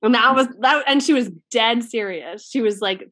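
A woman co-hosting a casual chat, telling stories in an animated way with lots of "like" and quick asides. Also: fairly high pitch, no echo. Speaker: podcast co-host.

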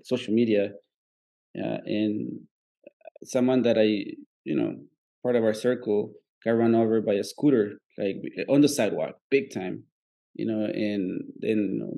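A podcast co-host speaks in a lowish, dark, gravelly male voice. He talks casually and rambles, halting often on filler words.

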